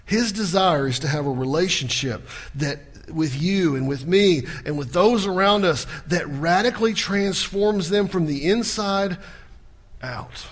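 Man, pastor, church sermon, fairly high voice, emphatic peaks, soft prayer. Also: unhurried. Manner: builds to loud emphatic peaks, then drops quiet in prayer. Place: church sanctuary.

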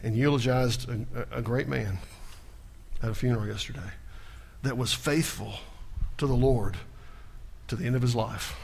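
A pastor preaching a sermon in a church, building to loud emphatic peaks and then dropping into a quiet prayer. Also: male voice, mid-range voice, normal speed, creaky, pauses often, slightly rough. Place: church sanctuary.

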